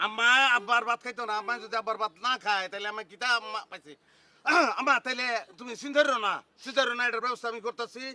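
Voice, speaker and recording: A guy playing a loud sylheti son ranting fast, super bright. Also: very high-pitched, steady tone, heavily acted. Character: hot-headed grown son defending his mother.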